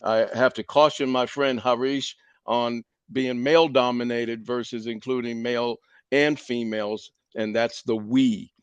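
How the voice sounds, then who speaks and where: A man's voice: mid-range voice, fairly even intonation, measured pace, clean tone, dry recording. A man leading an online business meeting, speaking in an emphatic, preachy way over a video call. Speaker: meeting leader. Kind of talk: motivational meeting talk.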